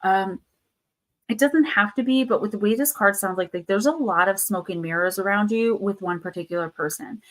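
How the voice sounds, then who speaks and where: Hoarse woman giving a live card reading. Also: medium pitch, normal speed, fairly bright tone. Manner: reads card texts aloud, then riffs loosely with fillers and restarts. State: losing her voice, sore throat. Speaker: tarot and oracle card reader, channel host. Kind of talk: live-stream card reading, casual and intuitive.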